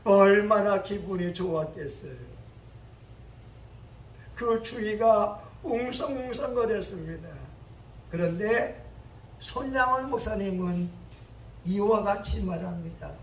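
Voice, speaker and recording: A male pastor delivering a sermon, building up to loud, dramatic exclamations. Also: high voice, slow, pauses often. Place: church sanctuary. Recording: echoey church hall, mic at a distance, faint ambient noise.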